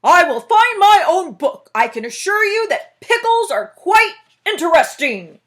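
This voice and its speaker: A woman doing a loud pompous old-fashioned bear. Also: on the low side, animated, measured pace, pitched below the performer's own voice. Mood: grumpy, loud. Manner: loud, fussy, formal complaining. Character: pompous grumpy male bear, big and loud.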